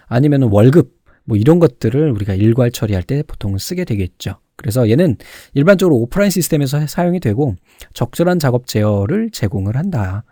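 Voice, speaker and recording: A man's voice: medium pitch, dark tone, no room sound, clean studio sound. A man giving an informal exam lecture, explaining conversationally and often answering his own questions. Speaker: online computer certification lecturer.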